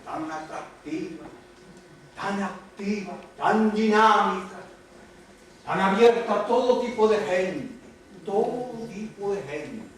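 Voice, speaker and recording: A man's voice: high-pitched, lively intonation, slow, a little hiss or hum. An actor on a stage playing a sea promenade come to life as a proud, cheerful man with a put-on Cuban accent, talking in sweeping lists. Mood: boastful. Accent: Cuban Spanish, put on. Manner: boastful, expansive, sweeping. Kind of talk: amateur stage play. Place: theatre stage. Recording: echoey hall from far off, live stage.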